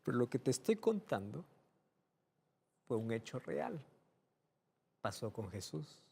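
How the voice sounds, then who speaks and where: Male preacher, lively swooping delivery, gravelly voice, rhetorical questions. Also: medium pitch, measured pace. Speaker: pastor. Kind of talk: sermon.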